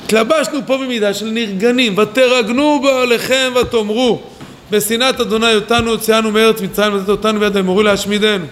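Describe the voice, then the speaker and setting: A man, a rabbi, giving a weekly Torah lesson at a yeshiva, animated and speaking straight to his listeners. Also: sits high, few pauses, a little hiss or hum. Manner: animated, acts out quoted voices, talks to listeners directly. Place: study hall at a yeshiva.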